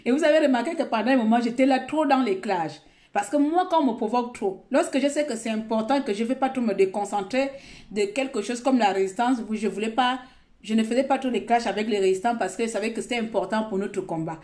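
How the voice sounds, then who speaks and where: Speaking straight into her phone on a live stream, a woman from Gabon rambles and repeats herself, lecturing viewers before drifting into casual chat. Her voice sits a little high and sounds a little mellow, and she talks fast. She comes across as talkative and scolding, blending sermon with chatter.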